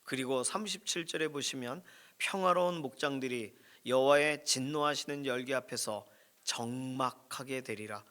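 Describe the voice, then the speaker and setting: Bright-voiced Korean pastor preaching. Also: male voice, medium pitch, normal speed. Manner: expressive preaching, voice swelling and dropping to near whisper. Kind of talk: sermon. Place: church prayer room.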